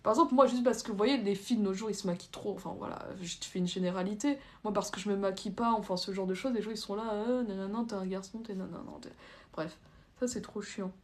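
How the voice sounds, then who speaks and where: A woman's voice: medium pitch, fast talker. A young adult woman chatting informally on a livestream, reading out comments and answering them bluntly in hesitant, loose phrasing. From France. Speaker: livestream host. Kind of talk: casual live chat, reading out and answering viewer comments.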